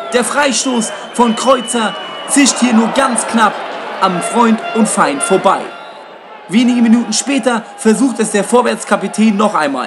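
Over crowd noise in the background, the speaker uses an animated tone at a fairly slow pace, with long, frequent pauses. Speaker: sports reporter. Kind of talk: sports commentary. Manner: animated, punchy and colloquial, with jokes and vivid play-by-play.

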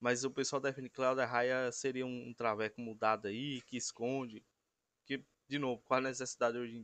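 A man talks at a moderate pace in a monotone, flat intonation, his loudness swinging widely, with a dry sound and no echo. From Brazil. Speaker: YouTuber commentating on public figures. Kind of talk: casual commentary monologue. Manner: halting, many fillers. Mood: critical, sarcastic.

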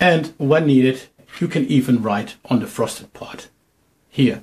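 A slow-paced man's voice, slightly mellow in tone, with ordinary pitch variation. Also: medium pitch for a man.

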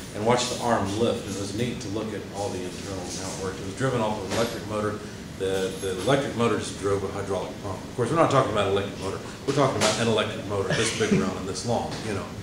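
Talking very rapidly, a man is heard with noticeable background noise and audible echo from the room. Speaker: instructor. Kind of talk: lecture. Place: classroom. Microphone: camera far.

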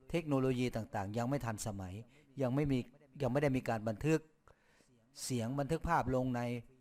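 An unremarkable speaking voice from a man at medium pitch, with ordinary pitch variation and a very clean recording against a silent background. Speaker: freelance live film dubber. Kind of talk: narrated history talk to viewers. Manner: polite, measured.

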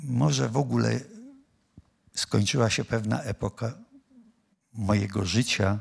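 The speech is fairly slow, broken by long, frequent pauses. Vocal fry runs through it over a quiet background. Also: man, fairly low pitch for a man. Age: 70s. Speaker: photographer and book author; guest. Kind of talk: public talk interview; interview answer. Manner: halting. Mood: calm, reflective. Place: studio. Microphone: handheld.

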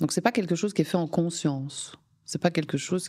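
Her tone is dark and mellow. The woman speaks at a fairly slow pace with ordinary pitch variation. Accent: slight Belgian. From Belgium, Liège region; Belgium. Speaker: dietitian; interviewee. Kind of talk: interview. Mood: calm, empathetic. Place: studio. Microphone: studio mic.

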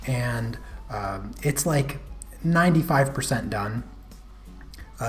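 Faint background music plays while a man talks. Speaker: artist streaming a tutorial. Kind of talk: casual live-stream chat.

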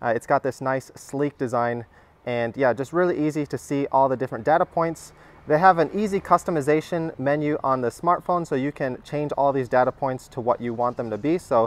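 Dry, echo-free sound at a fairly quick pace. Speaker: product reviewer. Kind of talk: product review tutorial. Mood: upbeat, relaxed. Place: garden. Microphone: phone near.

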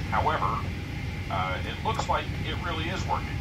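Loud background noise behind a man speaking at a fairly quick pace. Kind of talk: public announcement. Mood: calm and reassuring. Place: plane.

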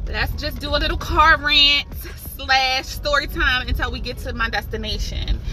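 A woman talks at a moderate pace in a dry sound with no echo, faint music in the background. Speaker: vlogger. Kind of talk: casual vlog chat. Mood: a little nervous, chatty. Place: car. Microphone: phone near.

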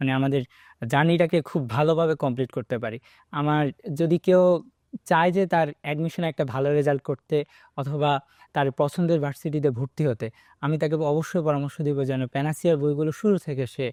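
In a very clean recording with a silent background and a dry, close sound with no echo, a man with a fairly high pitch speaks in an ordinary speaking voice with fairly even intonation. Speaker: university admission test topper. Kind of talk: interview.

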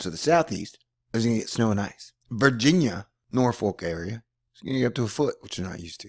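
At a very fast pace, a man talks in an animated tone with a medium pitch, lively intonation and big swings in loudness. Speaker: weather commentator. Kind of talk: weather commentary; casual, jokey weather commentary over forecast model maps. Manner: animated, excitable, riffing with exclamations like 'wow' and 'super crazy'; laid-back, jokey, slangy.

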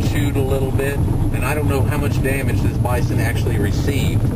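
A moderate pace over loud background noise, the sound dry with no echo. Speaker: snowcat driver or guide. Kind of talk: tour guide commentary. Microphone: phone near.

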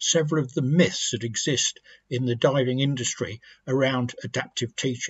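In a British accent, a man talks at a moderate pace with a fairly high, somewhat breathy voice over a quiet background. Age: 70s. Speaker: retired police training director, adaptive diving instructor. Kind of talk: conference speaker introduction. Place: home room. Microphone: webcam.

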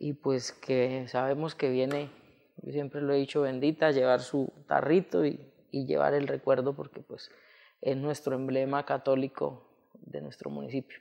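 A man talks with monotone, flat intonation. The background is quiet. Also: medium pitch for a man, fairly slow pace. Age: 30s. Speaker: mayor. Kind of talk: interview. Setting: studio. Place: studio. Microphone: lapel.

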